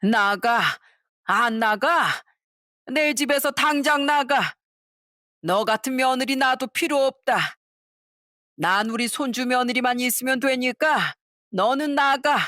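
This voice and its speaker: A woman voicing a fierce grandmother-in-law over ninety who shouts commands, in a dry recording. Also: high-pitched, a little slow, long pauses, no room sound, voice pushed up. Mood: furious.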